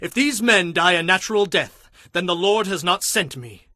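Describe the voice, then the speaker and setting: A man's voice: sits high, lively intonation, moderate pace, bright, forceful tone, no room sound, studio quality. A man playing a stern, indignant Hebrew prophet and leader in a dramatized scripture, speaking in an emphatic, commanding, declamatory way. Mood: solemn warning.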